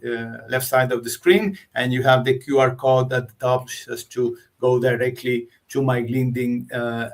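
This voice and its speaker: Hesitant Argentinian man presenter. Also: medium pitch. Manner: hesitant, with fillers and repeated words. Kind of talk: tech webinar talk.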